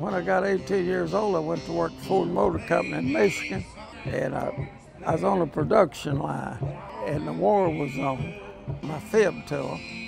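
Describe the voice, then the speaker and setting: A man speaks at a moderate pace with a Tennessee accent. The sound is dry with no echo, and music plays clearly in the background. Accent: Southern US (Tennessee). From Tennessee, near Nashville. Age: 80s+. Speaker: war veteran worker, former security officer. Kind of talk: interview answer. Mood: cheerful, chuckling storytelling. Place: open country.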